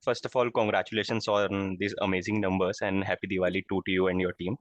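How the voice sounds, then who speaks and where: A man's voice: sits low, little pitch movement, fast, no echo. An Indian-accented man politely putting financial questions on an earnings call, with slightly hesitant phrasing. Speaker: investor asking questions.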